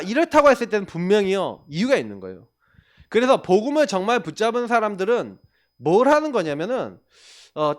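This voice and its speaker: A male pastor giving a sermon to young people, telling stories with energy, speaking to listeners directly and answering his own questions. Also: sits high. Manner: animated storytelling, addresses listeners directly and calls himself the pastor; poses questions and answers them himself.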